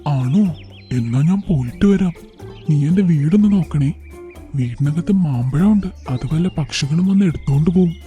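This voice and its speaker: A man voicing a good-natured forest animal in a children's cartoon, speaking in a simple, measured manner. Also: fairly high pitch, dark tone, soft background music, close to an everyday voice. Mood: trusting. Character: trusting monkey; fair-minded animal king of forest.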